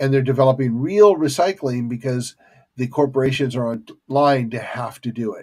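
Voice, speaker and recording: Speaking at a moderate pace with a normal speaking voice, a man with an American accent uses a medium pitch, ordinary pitch variation and big swings in loudness. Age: 60s. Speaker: podcast guest. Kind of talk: casual chat.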